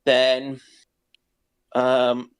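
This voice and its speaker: A man in a casual live chat, talking haltingly with pauses between short phrases. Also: mid-range voice, monotone, clean tone.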